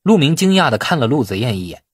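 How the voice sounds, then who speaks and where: A man's voice: medium pitch, sing-song, fast talker, slightly rough, no echo, clean studio sound. A man narrating a novel as a scripted audiobook.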